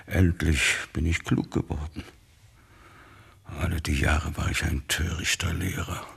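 Old Jewish teacher for radio drama: deep, creaky, despairing and defiant. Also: male voice, flat delivery, unhurried, exaggerated voice. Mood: weary, resigned. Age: 60s or older. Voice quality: gravelly, husky. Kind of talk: radio play acting.

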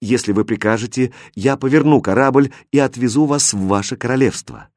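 Man playing a gentle young king, calm, earnest, mid-pitched, pleading softly. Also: a little fast, no echo, studio quality, natural voice. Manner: soft, soothing, earnest. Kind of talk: audiobook fairy tale reading.

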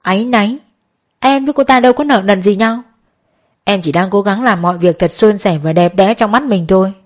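A woman's voice: mid-range voice, a little fast, close to an everyday voice. A woman voicing a scheming, cold young mistress who speaks coolly.

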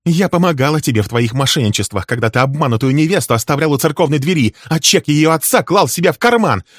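A scorned, furious wife hurls accusations in a high, shrill, cutting voice, as a male reader of a crime story puts her on. The sound is dry and close, with no room around it. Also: fairly quick, slightly rough, no echo, close to an everyday voice. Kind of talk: dramatic audiobook reading.

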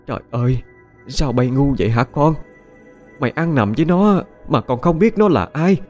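A man's voice: mid-range voice, animated, normal speed, darkish tone, faint music behind, pitched above the performer's own voice, natural voice. A man voicing a distraught older village mother in an audio story, pleading through tears. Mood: wailing. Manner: tearful, pleading lament.

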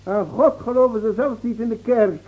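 An actor in a Dutch radio play playing a mocking, defiant old village drunk who foretells doom with theatrical scorn. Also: male voice, very high voice, normal speed, phone-quality sound. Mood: mocking glee. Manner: taunting, theatrical, scornfully laughing.

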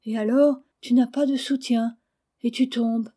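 A woman reading the part of a gentle, pious blind girl who speaks softly and earnestly in a storybook. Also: on the high side, steady tone, measured pace. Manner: soft, tender, earnest.

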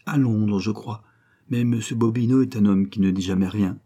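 A man reading aloud voices a calm young gypsy woman who works at a fairground, speaking plainly and earnestly. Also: lowish voice, normal speed, muffled recording, close to an everyday voice.

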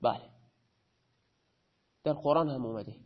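A man's voice: medium pitch, lo-fi sound. A man teaching grammar in a lecture, who asks his students questions and then answers them himself.

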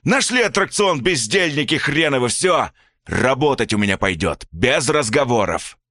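A furious middle-aged father yells and scolds in a raised, strained voice, as a man reads him in a story. His pitch swings wildly with anger. The sound is dry and close. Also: very animated, moderate pace, dry recording, exaggerated voice. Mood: lecturing. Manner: shouting, scolding, high and strained.

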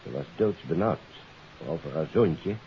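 In a 1950s Dutch radio detective drama, an actor with a very deep male voice and lively intonation plays an earnest, courteous police investigator. His delivery is formal, deliberate and emphatic, in a grave, explanatory mood. The 1950s radio recording sounds dull and hissy.

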